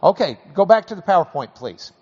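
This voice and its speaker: A man's voice: high-pitched, very animated, breathy edge. Folksy Texan man hosting in a hall. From Texas. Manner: folksy and joking, slows things down to explain. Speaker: host. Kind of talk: live interview before a class. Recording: dull audio with long hall reverb.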